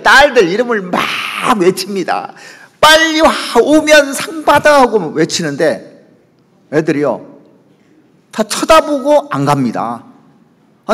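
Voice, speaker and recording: Lively Korean pastor preaching in a hall. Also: male voice, slightly rough. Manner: lively preaching, pitch leaps and drops, asides to the congregation. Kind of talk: sermon. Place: church sanctuary. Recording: church hall reverb.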